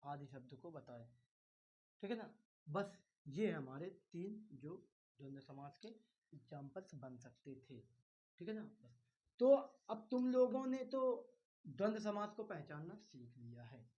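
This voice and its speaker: A man's voice: on the high side, sing-song, unhurried, mellow, highs cut off. Man teaching, repeating and quizzing. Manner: repeats key terms, quizzes listeners with questions; reassuring, coaxing with "bhai". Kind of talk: exam-prep grammar lecture.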